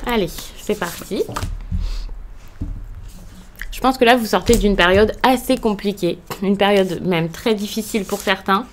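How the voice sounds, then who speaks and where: A woman's voice: mid-range voice, a little slow, long pauses, slight background noise. A woman from France giving a casual tarot reading to camera, hesitant with frequent fillers and restarts, in a reassuring tone. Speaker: tarot card reader.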